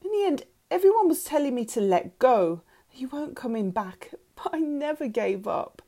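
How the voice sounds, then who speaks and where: Desperate, emotional mum played by a woman for audiobook dialogue, higher register, intense and expressive. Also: normal speed. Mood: anguished. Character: anguished birth mother, desperate, pleading, emotional. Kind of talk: dramatised audiobook character dialogue.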